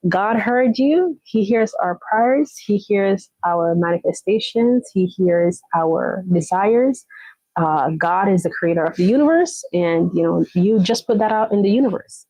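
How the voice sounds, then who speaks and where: A woman's voice: medium pitch, dark tone, no room sound, poor audio. A woman from Jamaica, hosting a casual motivational live chat, encouraging her viewers and often repeating herself to check in with them. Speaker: live stream host.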